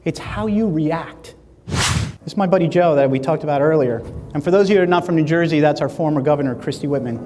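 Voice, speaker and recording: A man, giving a keynote speech and acting out stories with lively dialogue. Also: fairly high pitch, fast, long reverb tail, faint music behind. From Latin America, Spanish-speaking. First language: Spanish. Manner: animated storyteller acting out dialogue. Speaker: motivational speaker. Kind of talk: keynote speech to a live audience. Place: large hall.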